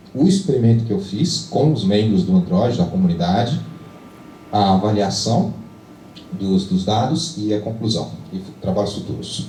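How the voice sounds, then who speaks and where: A man talks at a moderate pace in a fairly low voice with ordinary pitch variation. He leaves long, frequent pauses, and the room echo is audible. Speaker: tech conference speaker, PhD researcher. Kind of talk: technical talk at a meetup. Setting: auditorium with audience.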